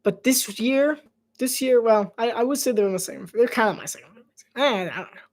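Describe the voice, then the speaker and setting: A man's voice: extremely high pitch, fairly quick. Chatty play-by-play livestream commentator, male. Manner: chatty, rambling asides, frequent laughs; drops to soft whispered asides. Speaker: live game commentator.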